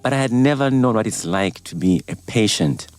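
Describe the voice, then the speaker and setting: A Ugandan man in his forties, a doctor, telling his life story in a relaxed interview with easy laughs. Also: on the low side, brisk, smooth. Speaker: doctor and guest. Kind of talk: casual interview chat.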